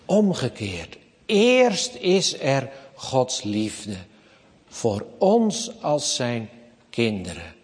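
A man preaching a sermon as pastor, slow and emphatic, often rising to raised, forceful passages. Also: mid-range voice, huge pitch swings, husky. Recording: long church reverb.

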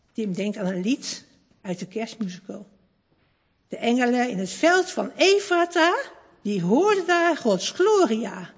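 Expressive woman reading a kids' story. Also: on the high side, breathy edge. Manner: warm, expressive, lingering. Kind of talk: reading a children's story aloud. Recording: long hall reverb.

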